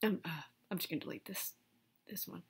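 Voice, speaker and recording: A woman's voice: lowish voice, a little fast, breathy edge. A woman playing a lonely middle-aged dad, mumbling hesitantly through voicemails in a comedy sketch. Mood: awkward longing. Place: small room indoors.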